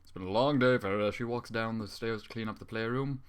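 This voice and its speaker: A man's voice: fairly low pitch, fast, clean tone. A man reading a fan story aloud and breaking off into exasperated, swearing comic reactions. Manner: exasperated, swearing outbursts between narration. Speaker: fanfiction reader.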